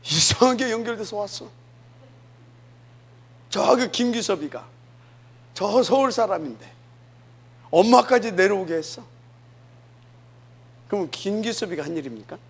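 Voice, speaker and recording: Male pastor, sermon, gravelly husky voice, slightly high, chatty rhetorical questions. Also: animated, measured pace, long pauses. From Jeolla, South Korea. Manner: conversational preaching, rhetorical questions to the congregation. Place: church sanctuary.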